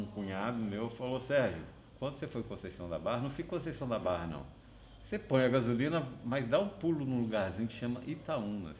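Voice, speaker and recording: A man in his sixties from Minas Gerais tells easygoing stories, dropping in casual fillers. His mid-pitched voice sounds roomy with a faint hiss behind it. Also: dull audio. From Minas Gerais, Brazil. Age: 60s. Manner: relaxed anecdotal, uses fillers like né. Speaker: guesthouse owner interviewee. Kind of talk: casual interview storytelling.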